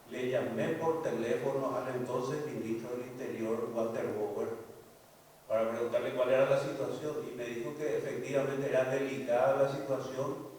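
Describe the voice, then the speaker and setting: A man's voice: medium pitch, darkish tone, a little hiss or hum. Older Paraguayan man testifying in echoey courtroom. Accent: Paraguayan Spanish. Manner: measured, recounting events with frequent restarts. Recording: echoey hall, distant mic, faint ambience.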